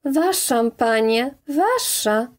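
A woman's voice: fairly high pitch, animated, drawn-out words. Young outcast woman, loyal and defiant, raised voice, read by a woman narrator. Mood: pleading.

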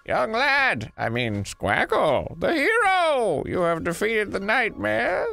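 A man's voice: high-pitched, huge pitch swings, slow, creaky, pushed and bright, no room sound, faint music behind, exaggerated voice. A man voicing a wise old male owl guardian from a game, with a grand, proclaiming delivery. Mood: solemn.

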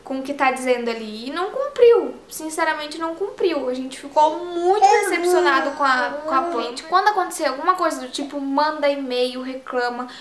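High-voiced chatty mom vlogger. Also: female voice, fairly quick, hardly any pauses, fairly bright tone, a little hiss or hum. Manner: chatty, coos and sings to her baby. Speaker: vlogger mother. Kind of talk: casual vlog to camera. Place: bedroom at home.

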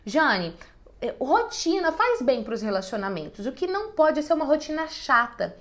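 Woman, bright voice, fairly high, lively and direct, casual advice talk. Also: normal speed. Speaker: host giving relationship advice. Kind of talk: casual advice talk answering viewer questions.

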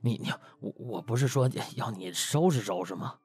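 A man voicing a soft-spoken, hesitant, anxious butler in an audiobook. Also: medium pitch, lively intonation, brisk, husky. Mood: flustered. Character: gentle, anxious, flustered male butler.

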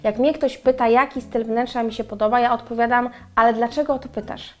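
A middle-aged woman co-hosting a casual chat, animated and speaking straight to viewers, on a lapel mic in a bright room. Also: a little high, brisk. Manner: animated, gesturing, addresses viewers directly. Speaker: co-host. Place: bright room with flowers and windows.

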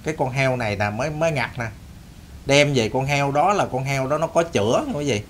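Telling his audience a casual, folksy story, the host wanders, restarting and repeating phrases. He's a man with a Southern Vietnamese accent whose mid-range voice moves a little fast. The recording carries a slight hiss or hum.

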